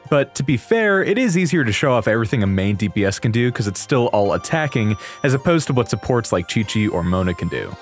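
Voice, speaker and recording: A young man giving casual, slangy and excitable reaction commentary as a video creator, swearing freely. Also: on the high side. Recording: music playing behind the voice. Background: game trailer music.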